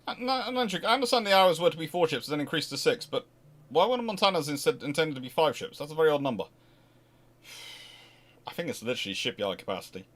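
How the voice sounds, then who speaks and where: Answering viewers' questions on a relaxed livestream, this Scottish host talks quickly in a voice on the high side. His speech wanders, with frequent restarts, self-corrections and lively asides.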